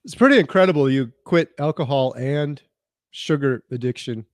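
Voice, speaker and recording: A man's voice: medium pitch, moderate pace, dry recording, clean studio sound. A man hosting a casual interview, asking easygoing, rambling questions that build on his guest's answers. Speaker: interview host.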